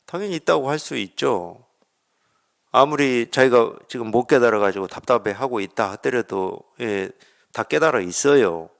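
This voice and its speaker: A man's voice: medium pitch, animated, normal speed, vocal fry, a bit bright. A man from Korea giving a Buddhist dharma talk as a Zen teacher, conversational, asking rhetorical questions and acting out the dialogue.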